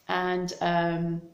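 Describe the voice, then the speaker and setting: A middle-aged woman with an English accent rambles casually to her phone camera, her mouth dry from thirst. Her voice sits a little low, and it rings in the bare, echoey room of her house. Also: a bit bright. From Scotland. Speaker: vlogger. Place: small room in a house, indoors. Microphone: phone camera held close.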